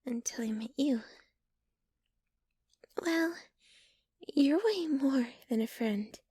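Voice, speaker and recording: A woman playing a sweet, shy, obsessively devoted young girlfriend in an ASMR roleplay, speaking softly and bashfully, often close to a whisper. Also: sits high, no room sound. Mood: tender, bashful. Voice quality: soft, breathy, often near whisper. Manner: bashful, giggly, halting, gushing. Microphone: close microphone, dry sound.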